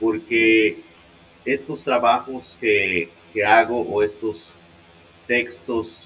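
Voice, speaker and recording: Here a man with a Yucatán accent speaks at a medium pitch, with ordinary pitch variation. His pace is very slow, broken by long, frequent pauses. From Yucatán, Mexico. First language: Yucatec Maya (speaking Spanish). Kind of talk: interview.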